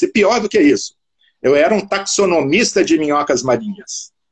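A man has an ordinary speaking voice with lively intonation at a moderate pace. The sound is dry and close, with no echo. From Brazil, Minas Gerais and Rio de Janeiro. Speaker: marine science professor. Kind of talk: live radio interview.

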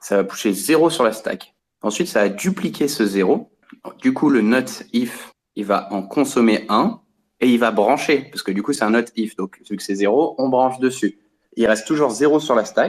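A man speaks at a fairly slow pace, his voice medium-pitched with ordinary pitch variation. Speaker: Bitcoin software developer. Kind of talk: technical discussion. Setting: Twitter audio space.

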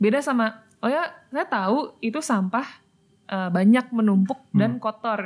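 A woman with an unremarkable speaking voice, fairly high in pitch, with lively intonation and a fairly slow pace. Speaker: podcast co-host and education activist. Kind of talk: casual interview conversation.

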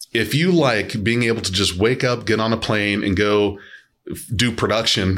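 A man's unremarkable speaking voice with an American accent, fairly low pitch, ordinary pitch variation and a moderate pace, on a very clean recording with a silent background. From US Midwest. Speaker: podcast host. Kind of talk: casual chat.

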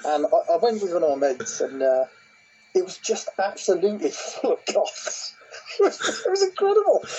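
Background noise is noticeable throughout. A man speaks over it at a moderate speed. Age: 40s. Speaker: musician and army veteran. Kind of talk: casual chat.

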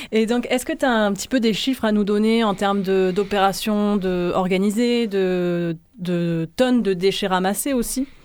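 Her voice is an unremarkable speaking voice: a woman at medium pitch and moderate pace, with ordinary pitch variation and hardly any pauses. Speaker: radio host, interviewer. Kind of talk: casual radio interview. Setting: radio studio.

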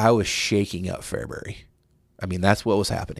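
The very clean recording of a man has a silent background. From central Illinois, US Midwest. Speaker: racetrack owner and race promoter. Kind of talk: interview.

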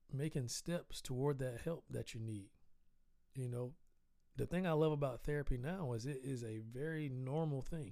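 Fairly high in pitch, this man talks with a Southern US accent. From US South. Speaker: podcast host and therapist. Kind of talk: solo podcast monologue. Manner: casual, conversational with filler words.

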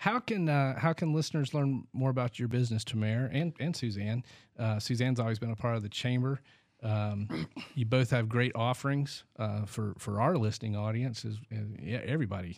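A man with an American accent has a plain, everyday voice at a medium pitch. He talks at a moderate pace with ordinary pitch variation, and the recording is very clean with a silent background. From North Carolina, Mooresville area. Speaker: podcast host. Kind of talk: casual interview.

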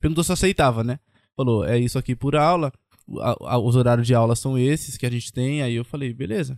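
In a dry, close sound with no echo, a man with an unremarkable speaking voice talks at a fairly quick pace, medium pitch and ordinary pitch variation. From Brazil, Santos (São Paulo coast). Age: 20s. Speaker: jiu-jitsu instructor, immigrant. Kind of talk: casual interview.

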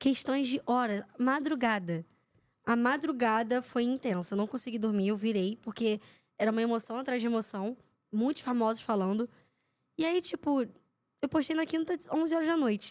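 High-pitched woman with a Rio de Janeiro accent at a moderate pace, with long, frequent pauses and very even loudness, on a very clean recording with a silent background. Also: lively intonation. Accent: Carioca Brazilian Portuguese. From Rio de Janeiro (Madureira), Brazil. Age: 20s. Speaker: sports reporter and content creator. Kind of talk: casual chat. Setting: studio.

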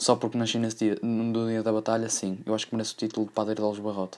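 In a strong Porto accent, a man speaks very fast in a monotone, flat way, on a very clean recording with a silent background. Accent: strong Porto (northern Portuguese). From Portugal, Porto. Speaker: solo podcaster. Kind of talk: casual monologue.

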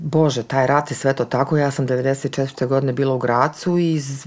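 The speaker has a Bosnian accent. The delivery is fairly quick. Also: woman. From Bosnia (Zenica, Sarajevo). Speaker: singer. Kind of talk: casual chat.

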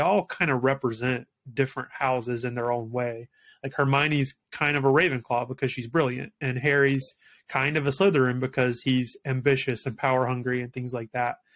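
A plain, everyday voice: a man with an American accent speaks fairly quickly at a medium pitch with fairly even intonation. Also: very clean recording, silent background. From South Carolina. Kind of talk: casual interview chat.

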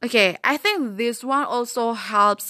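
A woman speaks with a non-native accent and a bright, sharp tone. The recording is very clean, with a silent background. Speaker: solo podcaster. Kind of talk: casual monologue.

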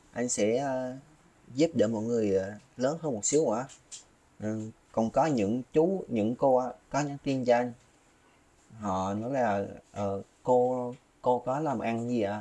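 Very slowly and with long, frequent pauses, a man speaks at a medium pitch in a dark, mellow tone with ordinary pitch variation. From Phú Yên, south-central Vietnam. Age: 20s. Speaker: ride-hailing motorbike driver. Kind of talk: casual interview.

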